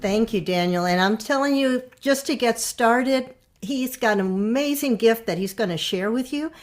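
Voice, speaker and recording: Woman host of an online coaching class, upbeat promo delivery, a bit high-pitched. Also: normal speed. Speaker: on-camera presence coach. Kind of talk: live online masterclass hosting.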